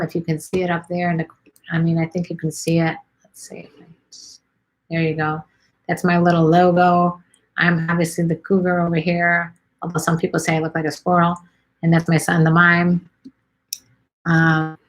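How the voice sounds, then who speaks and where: A middle-aged Chicago woman hosts a live stream, reading viewer comments while chatting casually and rambling, full of ums and let's sees. Her voice is on the low side, and the recording quality is poor.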